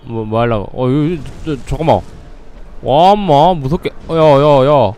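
A man's voice: medium pitch, moderate pace, darkish tone. A man giving casual, playful commentary over a game he is playing, laughing often and letting out sudden startled exclamations. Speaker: gameplay commentator.

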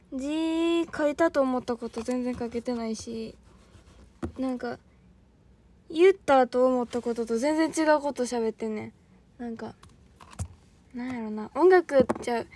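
A woman's voice: high voice, darkish tone, a little hiss or hum. A young woman with a Kansai accent, chatting on a livestream as an idol trainee, rambling and laughing often while thanking viewers. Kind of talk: casual livestream chat.

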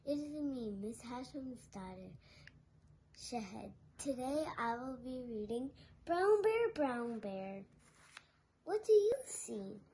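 A young girl reading a picture book aloud to small children in a singsong way, with softer asides. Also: on the high side, sing-song, takes it slowly. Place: living room sofa at home. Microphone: phone held nearby. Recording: home phone recording with background noise.

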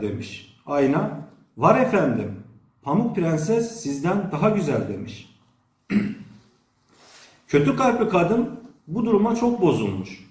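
A middle-aged man reading a children's fairy tale in an expressive storytelling way, letting his sentence endings fall away. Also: high-pitched. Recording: roomy, echoing sound.

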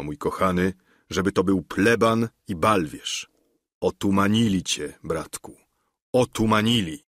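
A man voicing an old, deluded knight who speaks slowly and solemnly. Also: fairly bright tone, no echo, studio quality, exaggerated voice. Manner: slow, solemn, low and measured.

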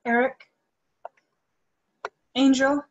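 A secretive, fearful young opera singer, played by a woman in a staged reading. Her voice sits a little high with a breathy roughness. The delivery is emotional and theatrical. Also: level tone, drawn-out words, muffled recording, full character voice. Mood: startled. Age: young adult. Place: room at home. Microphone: computer mic on video call.

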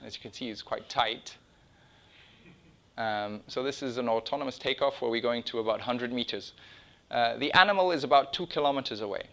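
A middle-aged man presents to a room in an informal, conversational way. His voice sits at a medium pitch, and he often breaks off and rephrases as he explains his work. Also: a little fast, sharp tone. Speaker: speaker presenting his own drone project. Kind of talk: informal conference-style talk with slides. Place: indoor meeting room or small lecture room.

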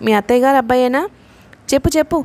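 A woman's voice: on the high side, a little fast, darkish tone, close to an everyday voice. A woman reading an eager curious young friend.

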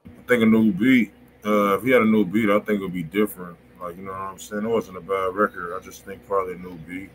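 A man's voice: low-pitched, steady tone, fast. A man hosting a music review livestream with casual, slangy, profane chat. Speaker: music review show host. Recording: clearly noisy room ambience.

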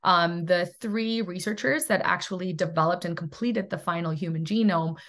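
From home, over webcam, a middle-aged woman from South Africa gives a recorded lecture as presenter in a university research toolkit. Her pitch is fairly low, her tone fairly bright, and her speed normal. She's earnest and thoughtful, with frequent fillers and restarts.

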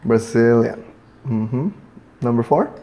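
A man's voice: mid-range voice, slow, warm tone. A man teaching an English class, patiently drilling a student with prompts and switching between two languages.

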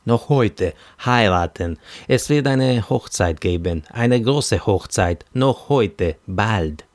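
A man's voice: fairly low pitch, animated, takes it slowly, no room sound, clean studio sound. A man voicing a pushy, talkative Arab Christian man who repeats himself pompously, in an audiobook. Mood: insistent. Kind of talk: audiobook character voice.

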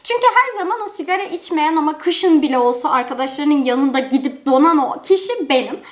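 A young adult woman telling a personal story to camera in a casual, animated, chatty way with many fillers. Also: high voice, a little fast. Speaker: storytime vlogger. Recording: roomy echo.

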